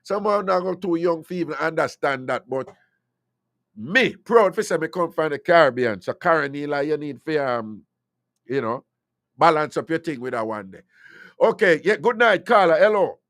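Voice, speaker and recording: A man's voice: a little high, lively intonation, normal speed, a bit bright, dry recording, clean studio sound. A Jamaican man hosting a call-in radio talk show, opinionated and slipping into patois.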